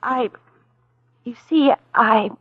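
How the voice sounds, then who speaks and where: A woman's voice: fairly high pitch, drawn-out words, breathy edge, dry recording, exaggerated voice. An actress playing a shaken young woman, a train-crash survivor who talks hesitantly and falters, in a 1940s radio drama. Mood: timid. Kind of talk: 1940s radio acting and narration. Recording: muffled 1940s radio recording with music.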